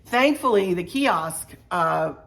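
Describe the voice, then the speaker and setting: A woman's voice: on the low side, expressive, takes it slowly, vocal fry, fairly bright tone. Chatty woman telling a travel story. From Virginia, USA. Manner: chatty, repeats phrases, folksy asides. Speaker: travel vlogger. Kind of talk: casual storytelling to viewers.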